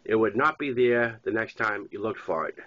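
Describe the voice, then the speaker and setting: A man's voice: on the low side, moderate pace, fairly bright tone. Congested Boston-accented man reading aloud. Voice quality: congested, stuffy nose. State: congested from a head cold. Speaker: author reading his own novel. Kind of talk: narrated memoir-style audiobook reading. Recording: dull lo-fi recording.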